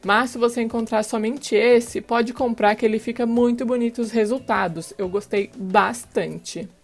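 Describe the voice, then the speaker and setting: This cake decorating host, a woman in her thirties with a Brazilian accent, talks through a casual tutorial at a moderate pace. Her voice is on the high side and steady, picked up by a lapel mic over background music.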